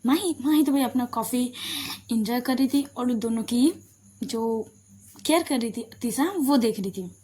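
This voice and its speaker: A woman's voice: fairly high pitch, a little slow, mellow, husky. A woman narrating a love story casually, chatty and informal with fillers. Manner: chatty, addresses listeners as "bhai".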